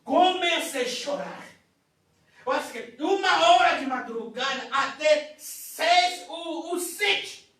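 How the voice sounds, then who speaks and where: A male preacher tells his testimony in a slow, high voice that climbs and falls sharply. He moves from shouting to near-whispers. The sound comes from far off in a very echoey church hall. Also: lively intonation. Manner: swings between shouting and hushed telling. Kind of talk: sermon testimony. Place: church sanctuary.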